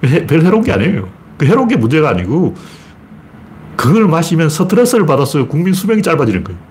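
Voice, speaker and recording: A man giving a casual spoken lecture, arguing forcefully with rhetorical questions and acting out quoted voices. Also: fairly high pitch, sing-song, fast talker, slight background noise.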